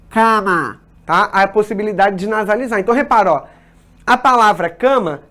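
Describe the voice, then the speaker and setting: A Brazilian woman teaching an exam-prep lesson, explaining step by step, checking in with her students and correcting herself as she goes. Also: mid-range voice. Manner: didactic, checks in with "tá?", corrects herself mid-sentence.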